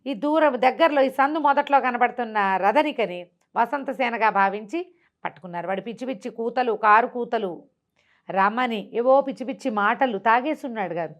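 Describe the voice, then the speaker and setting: A woman's voice: on the high side, moderate pace. A woman tells a classical tale off the cuff as a storyteller, explaining conversationally and repeating phrases as she goes.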